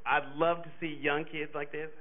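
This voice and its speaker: A man's voice: on the high side, little pitch movement, normal speed. A man introducing a conference speaker in a jokey, chatty, loose way. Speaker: session introducer. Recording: tinny phone-like conference recording.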